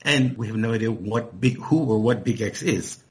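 A man with a very husky, rough voice pitched a little low talks through a film scene, thinking aloud and repeating himself. He chuckles as he goes, and the chat stays relaxed. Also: normal speed. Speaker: podcast co-host. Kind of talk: casual podcast chat.

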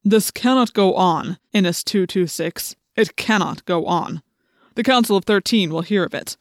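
A menacing alien commander barks orders in a voice pushed louder and odder than a plain narrator's, as a woman reads him. He sounds cold and imperious. The recording is dry and close. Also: lowish voice, unhurried, no echo.

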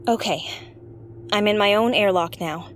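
A woman's voice: medium pitch, a little hiss or hum, natural voice. Woman acting an earnest, theatrical space investigator. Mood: nervous, focused. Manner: theatrical, articulate, musing with dramatic pauses. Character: Nym, earnest woman investigator hosting her own space mystery show. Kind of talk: audio drama narration, like a spoken field log.

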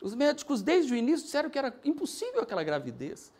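An older man preaching a sermon as pastor, emphatic and repetitive, telling stories with lively energy. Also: extremely high pitch, quick pace.

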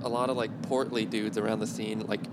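A man's voice: lowish voice, little pitch movement, a little fast. A man chatting casually and hesitantly, with slangy swearing, into a close handheld microphone in a moving car. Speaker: amateur stand-up comedian, podcast co-host. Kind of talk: casual chat between comics. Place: inside a car driving on the road. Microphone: handheld microphone held close to the lips. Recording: loud road noise inside moving car.

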